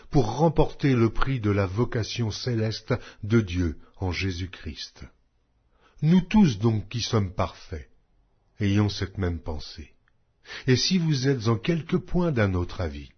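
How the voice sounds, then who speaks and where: A man narrates scripture in a solemn, declamatory style. His voice is husky and moves widely up and down in pitch as he phrases each line slowly and deliberately. The recording sounds slightly dull. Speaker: Bible narrator. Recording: dull, muffled lo-fi audio.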